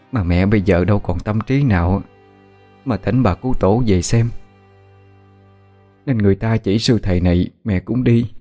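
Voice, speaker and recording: A man voicing a grieving middle-aged mother who talks sadly. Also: warm tone. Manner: sad, low-spirited.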